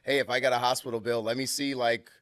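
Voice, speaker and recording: Male podcast host, mid-pitched, encouraging, chatty, dry close recording. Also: flat delivery, fast, fairly bright tone, dry recording. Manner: affirming, chatty, lots of fillers and backchannels. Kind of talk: casual interview chat.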